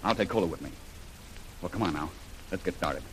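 A man's voice: low-pitched, animated, brisk, a bit bright, slight background noise. An actor playing a bold, confident male jungle adventurer who takes charge in an old radio serial.

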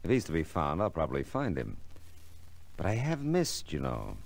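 A man's voice: rumbling low, wildly swooping pitch, normal speed, creaky, heavily acted. An actor playing a hard-boiled, wisecracking private eye in old radio detective drama, wry and laconic as he narrates and needles people. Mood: wry, world-weary. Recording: old radio recording with music underscore.

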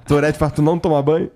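A man hosting a casual podcast, asking questions in a relaxed, curious way. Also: on the high side. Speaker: podcast host.

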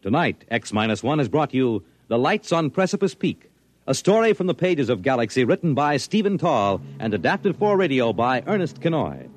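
A man speaking as a 1950s radio announcer, giving credits in a formal, crisp delivery on an old broadcast recording. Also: medium pitch, big pitch swings, normal speed.

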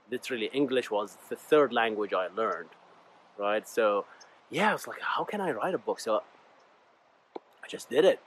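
A man's voice: fairly low pitch, a little hiss or hum, low-quality recording. A man in his thirties from Bahrain, a native Arabic speaker with an Arabic accent, talking casually and in a rambling, informal way as a solo podcast host. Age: 30s. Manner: informal, rambling, addresses listeners as "guys". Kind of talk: casual solo talk, personal storytelling.

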